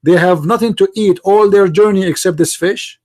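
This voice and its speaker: Male debate host, high voice, Arabic accent and native Arabic speaker. Insistent, combative, repeats himself to press the point. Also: moderate pace, a little mellow. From Middle East. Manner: confrontational, insistent, repeats phrases and questions. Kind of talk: heated religious debate.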